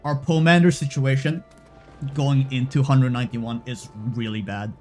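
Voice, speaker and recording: A man's voice: mid-range voice, steady tone, normal speed, a little mellow, faint music behind. A man streaming a game live, shaken and stressed, swearing and repeating himself.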